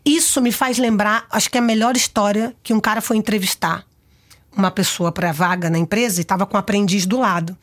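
Animated Brazilian woman telling stories. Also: medium pitch, a little fast. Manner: animated, expressive storyteller. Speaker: guest. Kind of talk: casual conversational interview. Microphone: studio microphone.

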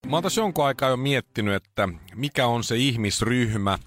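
A man's voice: medium pitch, expressive, a bit bright. A man co-hosting a casual radio chat, teasing and laying out his argument. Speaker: radio show co-host.

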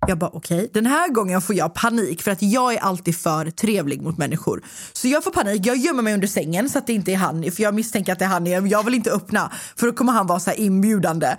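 Animated young woman telling a story. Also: medium pitch. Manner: animated, swearing, acts out dialogue. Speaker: podcast host. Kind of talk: casual storytelling chat.

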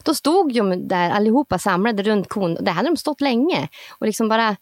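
A woman with a Hälsingland accent, telling a story as a guest in a lively way, laughing often and whispering the thoughts she quotes. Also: medium pitch, dry recording, studio quality. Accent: Hälsingland Swedish. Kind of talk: storytelling in casual conversation.

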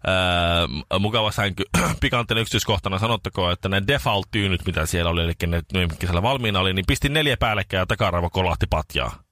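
A man's voice: low-pitched, few pauses, sharp tone, dry recording, studio quality. A man in his thirties hosting a radio morning show, telling a self-mocking story in casual chat.

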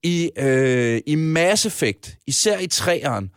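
A man's voice: fairly high pitch, lively intonation, smooth, no echo, clean studio sound. A man co-hosting a casual podcast about video games, talking in a hesitant way with many restarts. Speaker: podcast co-host.

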